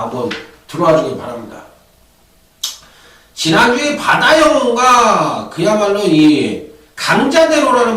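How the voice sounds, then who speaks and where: A man giving horse racing tips in an animated, chatty commentary style with lively asides. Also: on the high side, recorded from a distance. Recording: echoey room, off-mic.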